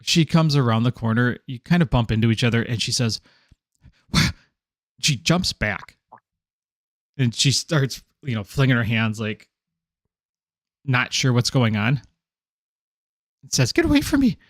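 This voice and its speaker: Halting man narrating as game master. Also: medium pitch, dry recording, clean studio sound. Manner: halting, with many fillers and chuckles.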